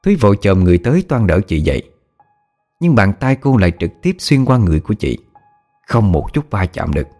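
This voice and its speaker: A man reading a scripted horror story in a dramatic, expressive way. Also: lowish voice, fairly quick, soft background music.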